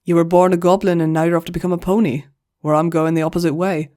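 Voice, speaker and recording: A woman voicing a calm, wry adult mare who speaks in a lower, measured tone. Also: close to an everyday voice.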